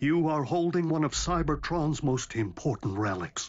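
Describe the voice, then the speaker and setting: A man does a cartoonish character voice, fairly high in pitch, at a moderate pace. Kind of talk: animated series drama. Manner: clipped, matter-of-fact.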